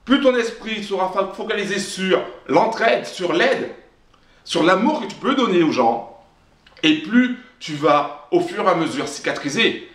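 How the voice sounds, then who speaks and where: A man's voice: high voice, lively intonation, a little slow, a bit bright, reverberant. A man giving a motivational talk straight to camera, emphatic and repetitive, often restarting his phrases. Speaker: self-help vlogger.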